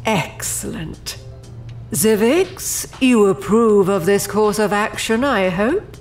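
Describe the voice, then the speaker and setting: Slow-spoken, poised noblewoman. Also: mid-range voice, expressive. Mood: gracious, composed. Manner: formal, measured, diplomatic. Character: poised, diplomatic noblewoman presiding over otherworldly board. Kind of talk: audio drama acting. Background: music.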